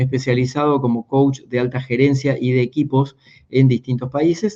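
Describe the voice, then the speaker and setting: A man with an Argentine accent speaks at a fairly quick pace. His medium-pitched voice has a dark, mellow tone. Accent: Argentine Spanish (Rioplatense). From Argentina, small town south of Buenos Aires province. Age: 50s. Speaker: executive coach and speaker. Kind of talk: interview.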